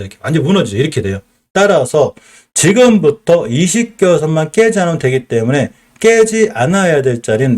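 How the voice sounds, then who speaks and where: A middle-aged man streaming a stock lesson in a Chungcheong accent. His voice sits a little high and bounces up and down with lively swings. He explains steadily and keeps tossing himself questions to answer. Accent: Chungcheong Korean.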